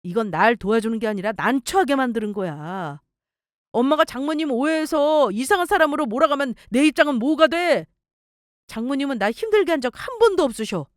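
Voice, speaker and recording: A frustrated young husband argues back at his mother, defensive and exasperated, as a woman reading a story radio drama puts him on. The voice is lively in its pitch. The sound is dry and close to the mic. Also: a little fast, no room sound.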